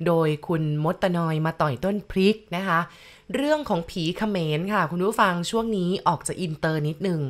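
A woman's voice: fairly low pitch, fairly quick. A woman narrating ghost stories in a conversational way, speaking straight to her listeners. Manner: conversational, addresses listeners directly. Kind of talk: storytelling to listeners.

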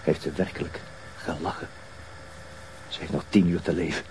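An actor playing a brooding detective in terse inner monologue, in a Dutch radio drama. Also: male voice, deep voice, steady tone, normal speed, a little mellow, lightly acted. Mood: brooding, intent. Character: brooding male detective fixated on a murdered woman. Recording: very noisy radio drama recording.

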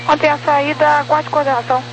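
High-pitched Brazilian woman controlling air traffic by radio. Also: flat delivery, fast. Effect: aviation radio. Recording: noisy humming aviation radio link.

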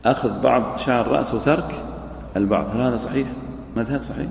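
Speaking fast at medium pitch, a man with a gravelly, slightly mellow voice teaches a jurisprudence class. He reads a line from the legal text, repeats it, then quizzes his students. The recording has an echoey hall sound with faint ambience and slight background noise.

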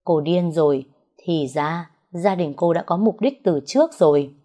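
A devoted young man gives urgent commands to protect the woman he loves, as a woman narrator reads him. The voice stays low and mellow. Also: measured pace.

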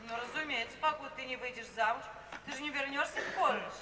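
A woman's voice: high-pitched, quick pace, bright, forceful tone. An actress playing an overbearing middle-aged mother who scolds and commands in an imperious manner, in a 1950s radio play. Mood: scolding. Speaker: domineering mother. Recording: echoey distant old radio play recording with hiss.

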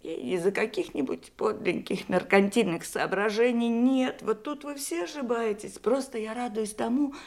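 A woman's voice: fairly high pitch, normal speed, hardly any pauses, a little mellow, natural voice. An actress playing the bitter, rebellious, wounded daughter of a famous man in a theatrical audio drama, sarcastic and swinging between whispers and outcries. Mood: bitter, defiant. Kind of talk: Soviet audio stage drama acting.

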